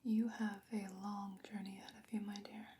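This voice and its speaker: A woman playing a calm, knowing sorceress in a fantasy ASMR roleplay, speaking in a hushed, breathy, deliberate whisper. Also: mid-range voice. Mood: grave, caring.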